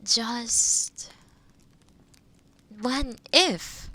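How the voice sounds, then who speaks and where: A woman playing a kind, gently teasing forest witch in an intimate audio roleplay, speaking softly and thoughtfully with hums and pauses. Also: a little high, expressive, full character voice. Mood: gentle, coaxing.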